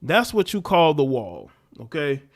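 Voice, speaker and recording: A man's voice: a little high, huge pitch swings, measured pace, background noise. A male livestream host rants bluntly about the clips he plays. His tone is scornful and lecturing, and his voice sits a little above the usual male range. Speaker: livestream commentator. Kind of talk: livestream reaction commentary.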